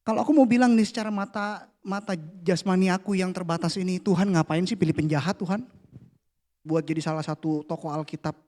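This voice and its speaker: A man, preaching a casual, playful youth sermon that drops to a hush for the prayers. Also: sits high, fairly quick. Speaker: youth pastor. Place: church hall.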